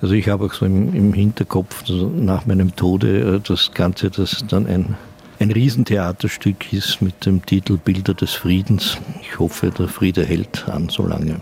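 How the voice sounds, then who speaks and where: With noticeable background noise around it, the speech moves at a moderate pace and shows ordinary pitch variation. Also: man, very deep, low pitch for a man. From Austria, western Carinthia. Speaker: author. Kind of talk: interview. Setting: coffee house.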